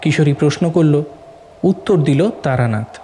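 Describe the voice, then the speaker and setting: A curious man played by an actor narrates the frame of an audio story in a scripted storytelling style. His voice sits slightly high and is very mellow, with clear ambience behind it. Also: animated, moderate pace, a little hiss or hum, natural voice. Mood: curious, measured. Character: curious male listener narrating the framing story.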